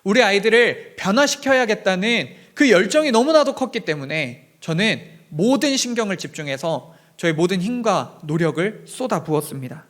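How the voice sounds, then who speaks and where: A man's voice: high voice, animated, normal speed, few pauses, fairly bright tone. A young man preaching a sermon in a church, telling a personal story in an earnest, heartfelt way. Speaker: pastor. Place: church sanctuary.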